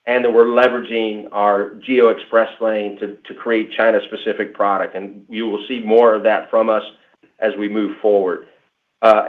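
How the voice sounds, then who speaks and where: A man answering analyst questions on an earnings call, measured and emphatic, pausing and restarting as he talks. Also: mid-range voice. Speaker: company executive answering analysts. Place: conference call line. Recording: tinny phone line.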